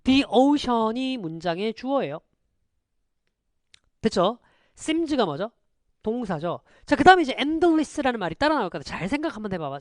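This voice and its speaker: A man teaching an online lecture, quizzing students with quick rhetorical questions and switching between polite and casual speech. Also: high-pitched, no room sound, clean studio sound. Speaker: English teacher.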